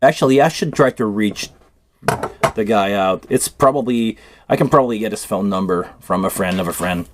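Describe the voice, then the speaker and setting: There's a slight hiss or hum behind this man's lowish voice, delivered at normal speed. He's a native French speaker from Quebec running a relaxed tech livestream, musing aloud in a loose, rambling way as he builds a cable.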